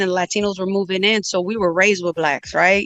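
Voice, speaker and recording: A woman with an American accent at medium pitch and a fairly quick pace. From Inglewood, Los Angeles. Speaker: mayoral candidate. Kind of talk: interview. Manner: animated storytelling.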